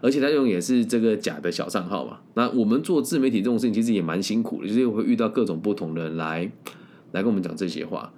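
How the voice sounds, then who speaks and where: A man's voice: on the low side, darkish tone, a little hiss or hum. A man, talking as a career-planning coach. He tells the story in a casual, straight-talking monologue and caps his sentences with lingering particles. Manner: blunt and candid, tags sentences with drawn-out particles.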